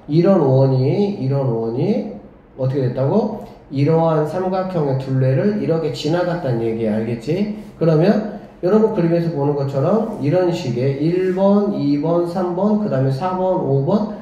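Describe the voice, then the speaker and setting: A math lesson is taught at the board by an academy director whose voice is a little high, mellow, and lively, at a moderate pace. He murmurs as he draws and keeps tossing out rhetorical questions, captured in an echoey classroom on a dull lo-fi mic.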